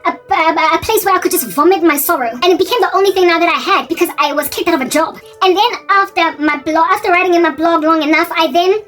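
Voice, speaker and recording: High-voiced South African woman, rambling. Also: fast, few pauses, a bit bright. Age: 40s. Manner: rambling, often correcting and repeating herself. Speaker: faith vlogger. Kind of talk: casual talking-head monologue. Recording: distant mic with background music.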